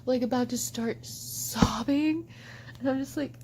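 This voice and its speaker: A woman book vlogger chatting casually to camera at home, animated and overdramatic, with lots of "like". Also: high-pitched, measured pace, background noise. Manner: animated and overdramatic, heavy use of "like". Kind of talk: casual vlog chat to camera.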